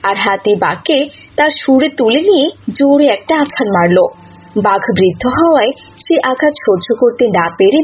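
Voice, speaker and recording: A woman's voice: on the high side, slightly rough. A woman reading scripted narration for a cartoon animal tale. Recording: muffled audio with faint noise.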